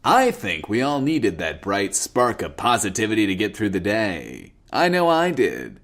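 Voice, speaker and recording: Swooping low-voiced, smug male radio host. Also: huge pitch swings, a little slow, fairly bright tone, faint music behind, exaggerated voice. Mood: smooth, self-adoring. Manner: smug, theatrical, self-adoring. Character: vain, flirtatious male post-apocalyptic radio host. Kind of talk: comedic radio monologue in an audio drama.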